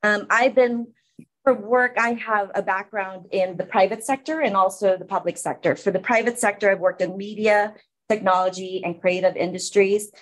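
A woman's voice: medium pitch, steady tone, moderate pace. A woman from the Philippines facilitating a public city commission meeting, explaining informally with many fillers.

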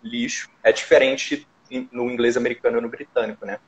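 A man's voice: mid-range voice, fairly even intonation, fairly quick, rough recording. A man with a Brazilian Portuguese accent hosting a casual chat, explaining with examples and tag questions. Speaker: host.

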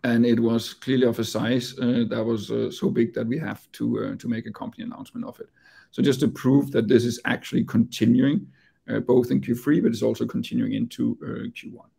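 A man's voice: medium pitch, fairly even intonation, brisk, vocal fry, mellow, husky. A man from Denmark with a Danish accent, presenting in an investor call over video, hesitant and repeating words. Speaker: company executive.

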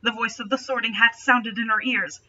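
Young woman reading fanfic out loud, snarky, really bright sharp voice, bit lo-fi. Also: a little high, steady tone, normal speed. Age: young adult. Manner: sarcastic, mocking. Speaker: host reading fan fiction aloud. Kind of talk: dramatic story reading with sarcastic asides. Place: small bedroom, indoors.

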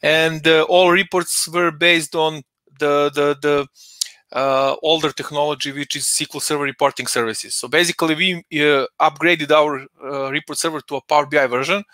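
A middle-aged man whose first language is Serbian answers interview questions over a headset. His voice is bright and a little high, with a close, dry sound and no room around it. He speaks in a measured way, full of hesitant fillers. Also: no echo. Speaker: interview guest, data professional. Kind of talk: casual video-call interview. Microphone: headset on a video call.

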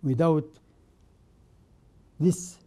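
An older man whose first language is Arabic, presenting a religious program as a patriarch and giving a sermon in short, emphatic phrases with many pauses. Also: a little high, fairly even intonation, dark tone. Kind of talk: slow spoken sermon.

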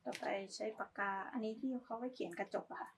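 A woman's voice: fairly high pitch, fairly even intonation, fast, creaky. Woman casually teaching a craft, noisy recording. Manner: informal, polite, talks while demonstrating. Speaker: craft tutorial instructor. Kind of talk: casual step-by-step tutorial narration.

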